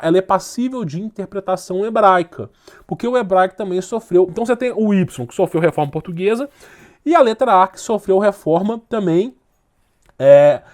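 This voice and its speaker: Emphatic man lecturing, higher voice. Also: a little mellow. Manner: emphatic, insistent, repeats "tá?" and "ok?"; rises in force when making a point. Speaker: teacher of esoteric history. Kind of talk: informal video lecture.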